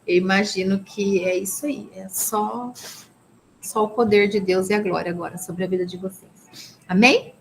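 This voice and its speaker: Teaching a live online Bible class for women, this Brazilian Portuguese-accented woman has a gravelly mid-range voice that stays steady at a moderate pace. Earnest and blessing-heavy, she sprinkles "amen?" and "né?" throughout. The audio is poor, carrying a little hiss or hum.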